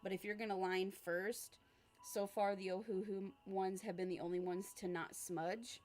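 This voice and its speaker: A young woman livestreaming as an art creator, chatting casually and answering viewer comments while she sketches, with a relaxed, rambling manner. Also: mid-range voice, moderate pace, soft background music. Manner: frequent fillers and laughs, relaxed.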